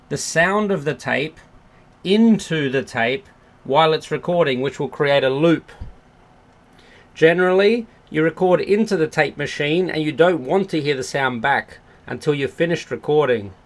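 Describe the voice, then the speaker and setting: A man's voice: on the high side, unhurried. A man presenting a casual, hands-on tutorial, explaining things informally step by step. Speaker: presenter of an audio gear tutorial. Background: electronic music beat playing.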